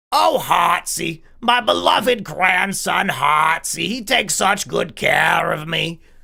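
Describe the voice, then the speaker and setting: A put-on character voice, raspy and pitched in the middle range. It moves at a fairly slow pace with hardly any pauses. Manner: sweet, doting.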